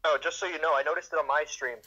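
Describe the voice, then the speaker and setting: A man on a casual gaming voice chat, talking animatedly and acting out excitement. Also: a little high, racing, dull audio. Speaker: fellow streamer on voice chat.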